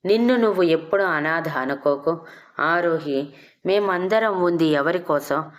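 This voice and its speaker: Caring young brother, read by a woman, gentle, reassuring, low voice. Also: unhurried. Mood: soothing.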